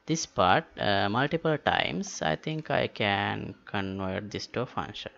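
A man giving an unscripted software tutorial, halting as he thinks aloud. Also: mid-range voice, vocal fry, dull audio. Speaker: tutorial host.

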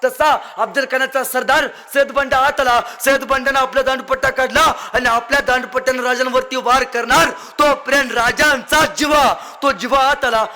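A young man delivers a fiery storytelling speech. His voice sits very high for a man and rings bright and forceful. He declaims and repeats his phrases for emphasis. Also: steady tone, moderate pace, few pauses. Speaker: public speaker.

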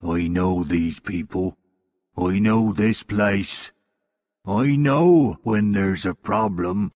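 A man reading a storybook for English learners, voicing a calm, kindly older man in a slow, steady, reassuring way. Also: lowish voice, no echo, studio quality.

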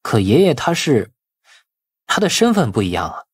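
Young nephew role, male narrator: eager, flustered, deferential, husky, very animated pitch, audiobook drama. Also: normal speed. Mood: puzzled, worried. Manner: expressive, colloquial, exclaiming.

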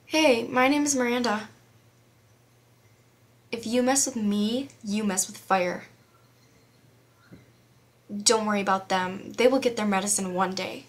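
A tough, fiery girl out for revenge, acted by a woman in an amateur series. She delivers cool, slow warnings. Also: medium pitch, close to an everyday voice. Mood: cool threat.

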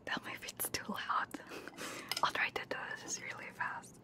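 A woman streaming ASMR, chatting casually in a soft, hushed, breathy whisper close to a binaural microphone while sick with a cold. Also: normal speed. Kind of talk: ASMR, casual livestream chat. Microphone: close binaural ear microphone.

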